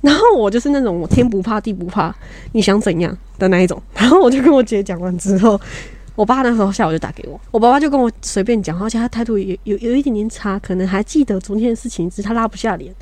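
A young Taiwanese woman talks quickly in casual podcast chat. Her manner is blunt and fiery, and she often laughs through her stories. The sound is close and dry, with no room echo. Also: mid-range voice, a little mellow. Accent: Taiwanese Mandarin. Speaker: podcast co-host, younger sister.

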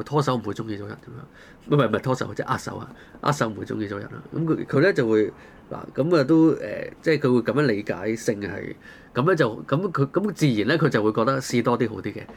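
A man's voice: mid-range voice, gravelly. A man with a Hong Kong Cantonese accent hosting a casual discussion, talking colloquially through rhetorical questions and everyday examples. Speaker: talk show host.

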